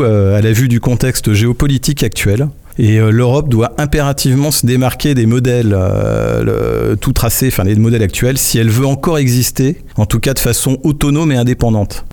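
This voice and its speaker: A man's voice: medium pitch, mellow. A man from France, a guest on a local radio show, arguing his views earnestly and hesitantly with many fillers. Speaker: guest commentator. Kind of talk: radio interview.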